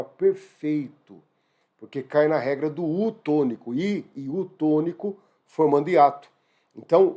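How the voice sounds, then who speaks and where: A man with a Brazilian Portuguese accent teaching an online exam-prep grammar lesson in a lively, exclamatory way. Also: a little high. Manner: lively, exclamatory, addresses students as "gente".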